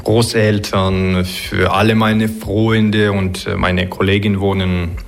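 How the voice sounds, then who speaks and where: Ukrainian-accented man, low gravelly voice, slow hesitant guest answers. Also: little pitch movement. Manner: halting learner's German with many pauses. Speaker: interview guest, refugee. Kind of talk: casual interview.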